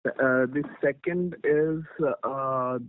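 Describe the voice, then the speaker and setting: A man's voice: medium pitch, steady tone, extremely slow. A man with an Indian accent, an analyst putting questions on a conference call. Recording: dry, narrow phone line.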